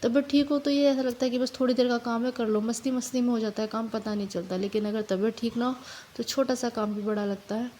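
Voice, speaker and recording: Young woman, hoarse and run-down, flat dark delivery, faint room hiss, homey vlog talk. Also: a little high. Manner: tired, halting, apologizing for her voice. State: hoarse from a sore throat and fever. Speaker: family vlogger. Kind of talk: casual vlog narration while doing housework.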